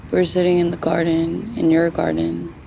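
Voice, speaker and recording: A woman playing a grieving young grandchild in a hushed, halting, intimate audio fiction monologue. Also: fairly low pitch, completely flat delivery, creaky, a little hiss or hum, rough recording. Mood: tender, grieving.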